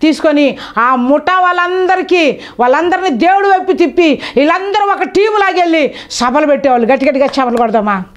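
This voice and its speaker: A high-pitched middle-aged woman preaching a sermon with a Telugu accent. She swings from ringing calls to low, confiding tones. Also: a little fast. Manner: acts out voices in her stories. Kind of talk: sermon with testimony.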